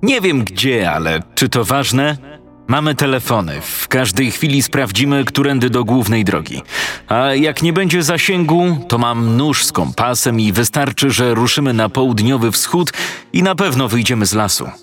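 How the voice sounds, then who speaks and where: A man's voice: medium pitch, expressive, moderate pace, fairly bright tone, faint music behind, voice pushed up. A man voicing a brash, teasing teenage boy who leads his friends in a spoken horror story. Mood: cocky. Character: cocky joking teenage boy, group leader.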